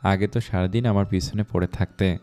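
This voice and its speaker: A man's voice: low voice, fairly even intonation, brisk, warm tone, clean tone, close to an everyday voice. Man voicing an impatient scolding young man. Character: hot-tempered young man, bossy fiancé.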